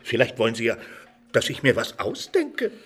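An actor playing a reluctant, grumbling old jeweller with a husky voice in a radio crime drama. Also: male voice, medium pitch, wildly swooping pitch, moderate pace, a bit bright, heavily acted. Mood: reluctant, testy. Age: older.

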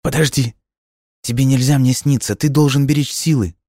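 A man's voice: mid-range voice, steady tone, normal speed, darkish tone, no room sound, studio quality, pitched above the performer's own voice, natural voice. A man voicing a frightened young girl who pleads tearfully. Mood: desperate, pleading.

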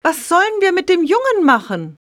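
Storybook mother, anxious and fretful, high and swooping, a man puts her on; dry read. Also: huge pitch swings, normal speed, a bit bright, no room sound, full character voice. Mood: worried. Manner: worried, fretful. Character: anxious village mother, woman, middle-aged. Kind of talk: audiobook story voice.

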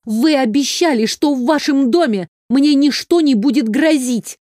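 A woman voicing an indignant, quick-tempered young heroine who speaks sharp and clipped, for an audiobook. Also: sits high, no echo, clean studio sound, voice pushed up, lightly acted. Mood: furious.

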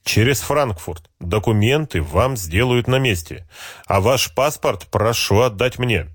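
A man voicing a cheerful, heavy-set older army officer who says each word slowly and deliberately. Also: medium pitch, dry recording, studio quality, close to an everyday voice. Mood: cordial, businesslike. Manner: friendly, brisk, matter-of-fact.

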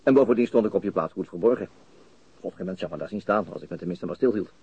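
A man's voice: on the low side, fast, warm tone, breathy edge. An actor playing a dogged, methodical middle-aged police chief inspector in a Dutch radio play, hesitating as he thinks aloud. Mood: absorbed, explaining. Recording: muffled, dull radio drama recording.

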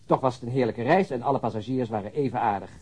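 A man's voice: mid-range voice, quick pace, darkish tone, slightly rough, lightly acted. An actor playing a weary, sarcastic male police detective who needles his colleagues in a Dutch radio crime drama. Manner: sardonic, mocking.

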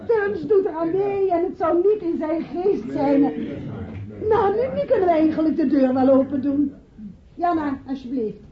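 A woman's voice: very high voice, expressive, normal speed. An actress playing a bustling, insistent hostess rallying her guests in a radio play. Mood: brisk, emotional. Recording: muffled old radio play recording.

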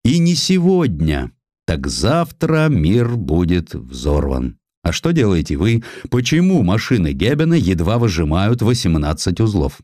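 A commanding German admiral acted by a male narrator, shrewd and quick-tempered. The voice is deep and declamatory, swinging widely in pitch, as in a historical audiobook. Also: wildly swooping pitch, darkish tone, no room sound, clean studio sound, full character voice. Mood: urgent, irritated.

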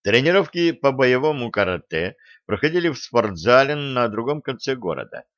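A man narrates a novel in a steady mid-range voice. The recording is dry with no room sound and a somewhat muffled, lo-fi tone. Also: mid-range voice, normal speed, no echo. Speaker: audiobook narrator. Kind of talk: scripted narration.

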